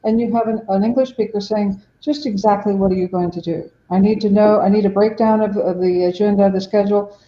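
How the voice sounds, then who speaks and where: A woman's voice: medium pitch, fairly even intonation, brisk, hardly any pauses. Earnest woman on roomy, dull remote audio. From Mexico. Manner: earnest, explanatory, acts out quotes. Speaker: ministry director, guest. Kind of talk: podcast interview.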